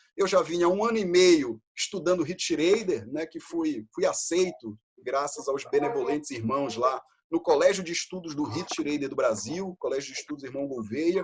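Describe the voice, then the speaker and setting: Lively intonation marks this man's high voice as he talks at a moderate pace. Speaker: freemason lecturer. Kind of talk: online talk on Masonic rites. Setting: live stream.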